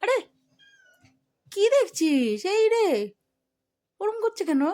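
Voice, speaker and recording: A woman's voice: very high-pitched, very animated, slow pace, warm tone. A woman filming at home indoors, talking fondly and coaxingly to her cat in a casual vlog, her voice jumping up when she is alarmed. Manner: fond, coaxing, rising sharply when alarmed. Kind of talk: casual home vlog, baby talk to a pet.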